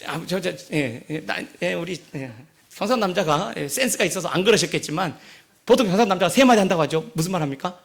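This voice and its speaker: A man preaches in a church, keeping it conversational and checking in with his listeners with questions. His voice sits high and carries a gravelly roughness. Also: lively intonation, fast talker. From Jeolla province, Korea. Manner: conversational preaching, asks the congregation questions often. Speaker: pastor. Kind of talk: sermon. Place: church sanctuary.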